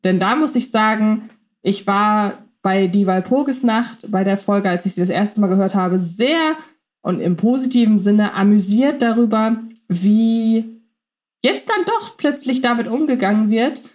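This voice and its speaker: A woman's voice: mid-range voice, animated, a little slow, darkish tone. Enthusiastic woman podcaster. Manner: enthusiastic, thinks aloud with fillers. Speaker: podcast co-host. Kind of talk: casual podcast chat about radio plays.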